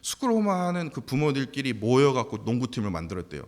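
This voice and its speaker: A man's voice: medium pitch, big pitch swings, quick pace, a little mellow. A pastor, a man, preaching a sermon and telling a story animatedly, laughing now and then. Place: church sanctuary. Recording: long church hall reverb.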